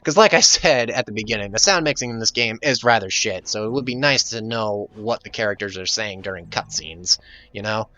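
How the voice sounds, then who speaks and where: A man's voice: fairly low pitch, animated, brisk, bright, forceful tone, rough recording. A man giving casual, jokey gameplay commentary as the host of a let's play.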